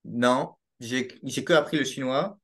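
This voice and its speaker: A man's voice: mid-range voice, measured pace. A young man from Belgium with a Belgian French accent, a podcast guest talking casually and hesitantly over a video call from a small home room. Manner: hesitant, with many restarts and fillers. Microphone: laptop webcam mic on a video call.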